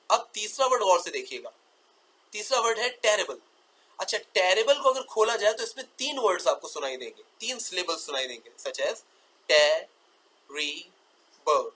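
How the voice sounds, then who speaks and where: A man teaching English grammar in a lecture, repeating key terms as questions and drawing out example words slowly. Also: high-pitched, pushed and bright, husky, low-quality recording.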